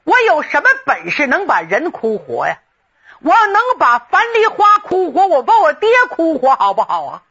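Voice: mid-range voice, big pitch swings, a little slow, a bit bright, breathy edge, muffled recording, pitched below the performer's own voice, exaggerated voice. A storyteller voicing a proud, stubborn young male general who talks back indignantly. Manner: indignant, defiant.

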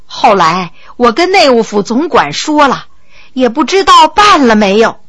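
A woman voicing a kindly, rambling elderly empress dowager in a storybook, speaking slowly with sighs. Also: a little high, sing-song, a bit bright, no room sound, studio quality, full character voice. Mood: chatty. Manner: slow, chatty, sighing.

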